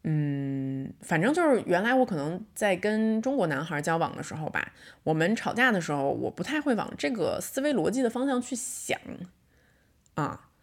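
A woman's voice: on the low side, sing-song. Woman in her thirties hosting a podcast. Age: 30s. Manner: reflective storytelling, slows down to stress points. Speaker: podcast host. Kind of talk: casual solo podcast monologue.

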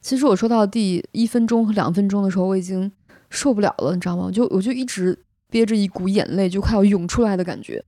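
Speaking fast, a young female podcast host shares a heartfelt personal story in a casual storytelling chat, retelling it earnestly and emotionally with vivid detail. Her soft, mellow voice sits at a middle pitch and is captured close and dry, with barely any room echo.

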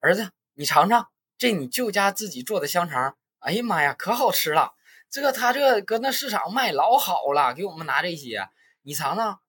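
A man's voice: high-pitched, animated, normal speed, sharp tone, breathy edge, voice pushed up, full character voice. A man voicing a cheerful middle-aged mother who talks up sausages like a saleswoman. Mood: upbeat selling. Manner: chatty salesy enthusiasm.

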